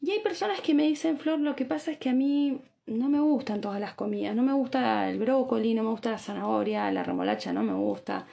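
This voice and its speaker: A lively Argentine woman in her thirties talks straight into a phone held at arm's length, as if chatting with viewers on a live stream. Her voice sits fairly high but sounds mellow and dark in tone, with a gravelly fry running through it. She keeps the talk moving with frequent little check-in questions. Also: fairly quick, few pauses. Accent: Argentine Spanish. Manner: animated, chatty, many tag questions. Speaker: Ayurveda doctor. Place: small bright room indoors. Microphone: phone camera at arm's length.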